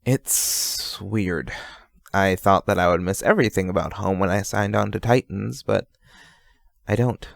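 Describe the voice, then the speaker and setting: A man's voice: low-pitched, a little slow, creaky, no room sound, clean studio sound. A man playing a guarded young mage superhero in an audio drama, with a wry, hesitant, confiding delivery. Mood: weary, wistful. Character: young male mage superhero, guarded behind fake cheer.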